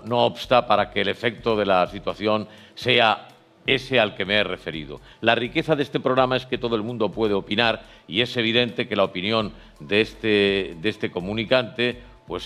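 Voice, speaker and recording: A man speaks as a studio commentator on a radio debate. His voice is on the low side and his delivery is formal and measured. He builds long, winding sentences. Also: a bit bright.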